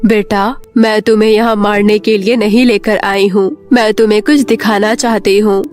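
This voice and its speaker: A woman voicing a calm, persuasive witch in a cartoon story, measured and coaxing. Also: medium pitch, faint music behind, lightly acted. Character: calm, persuasive adult witch who shapeshifts from a cat.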